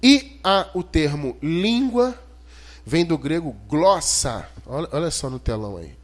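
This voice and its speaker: A man with a Brazilian Portuguese accent preaches an expository sermon, working through scripture verse by verse. His fairly high voice is very animated but measured in pace, and he teaches emphatically, posing rhetorical questions to the congregation.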